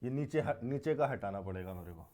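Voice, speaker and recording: A man with a mellow, rather dark voice teaches a grammar class. He explains step by step, repeating key words and asking the class rhetorical questions as he goes. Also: fairly low pitch, lively intonation, brisk. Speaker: English teacher.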